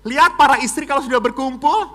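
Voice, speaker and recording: A middle-aged man, a Catholic priest, giving a lively homily, dramatic and joking, dropping from loud exclamations to hushed whispers. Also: very high-pitched, fast.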